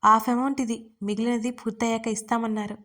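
Woman doing a bubbly teasing young wife, kinda high and bright, storybook voice. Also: fast talker, close to an everyday voice. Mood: excited, affectionate. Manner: excited, bubbly. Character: lively playful young wife, affectionate and teasing.

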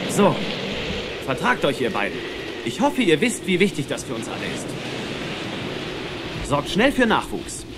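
An actor playing an earnest, worried young son in a German children's audio drama. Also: male voice, a little high, huge pitch swings, unhurried, long pauses. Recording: very noisy background ambience.

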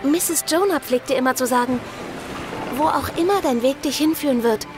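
A woman plays a cheeky, loyal girl with a high, youthful pitch. She is plucky in this audio drama. Music is clearly heard behind her. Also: normal speed, natural voice.

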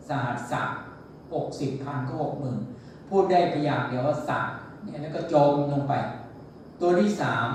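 Male monk, storytelling sermon, echoey hall, distant mic, faint hiss. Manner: storytelling, quotes figures with shifts in pitch. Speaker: Buddhist monk.

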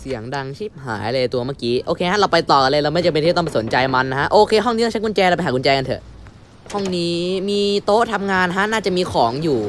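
A young man commentating a horror game playthrough, switching between a mock-polite announcer tone and crude, shouty outbursts. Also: fairly high pitch, expressive, quick pace, heavy background noise. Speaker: gamer commentating his playthrough. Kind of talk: casual gameplay commentary.

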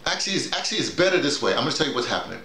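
A middle-aged or older radio drama teacher and workshop leader speaks in a sing-song voice that's on the high side, pushed and bright. Seated in a small bare room that echoes, with slight background noise, he informally explains to colleagues, teacher-like and emphatic, halting and repeating himself often.

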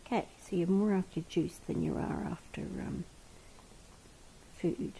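A woman who rescues and cares for bats, gently talking and often whispering to an animal as she feeds it in a home kitchen, recorded on a head-mounted camera. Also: lowish voice, steady tone, measured pace, slight background noise, low-quality recording. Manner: soft, coaxing, often whispering. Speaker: bat rescuer and carer. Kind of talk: gentle commentary while feeding an animal.

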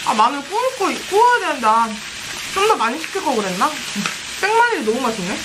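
A woman's voice: high-pitched, very animated, brisk. A woman vlogger chatting while chewing meat at a home grill party, gushing over the food. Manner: gushing, with delighted food exclamations. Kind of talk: casual eating vlog chat. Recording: loud sizzling grill noise.

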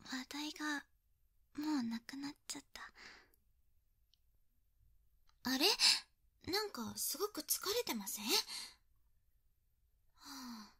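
A voice actress plays a shy, kind young woman with a high, bright voice. She speaks politely and intimately, as in an ASMR roleplay, and often drops into breathy whispers. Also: sing-song, a little slow, pauses often, heavily acted. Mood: shy, sympathetic. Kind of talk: Japanese ASMR situation voice acting, intimate.

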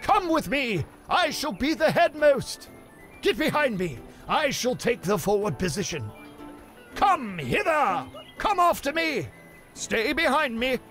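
A pompous, bawdy medieval knight from a video game with a very high, lively voice. He talks slowly and theatrically, piling on mock-archaic pronouncements. Faint music plays behind him. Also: full character voice. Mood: rallying. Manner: grand, innuendo-laden pronouncements. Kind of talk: video game voice line reel.

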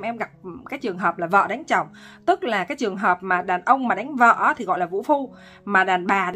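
Her voice sits fairly high as she, a relationship counselor, gives relaxed advice, punctuating her points with energetic emphasis and plenty of laughter.

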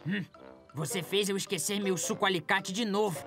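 A woman's voice: medium pitch, moderate pace, lightly acted. A woman with a Brazilian accent voicing a bossy, skeptical little male berry-creature repairman in a cartoon dub. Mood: exasperated, skeptical. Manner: exasperated, dismissive. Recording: music behind the voice.

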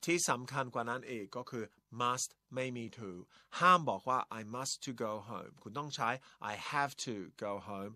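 A man teaching English on a radio show, explaining grammar in lively mixed Thai and English. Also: medium pitch, takes it slowly, few pauses, no room sound. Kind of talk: bilingual radio English lesson. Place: radio studio.

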